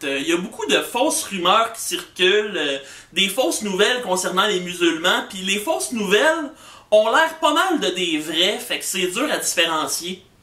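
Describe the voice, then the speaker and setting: A raised, projected voice with very wide pitch swings, delivered at a moderate pace. Audible room echo and noticeable background noise surround it. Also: man. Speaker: web show host reviewing ads. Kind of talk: casual commentary.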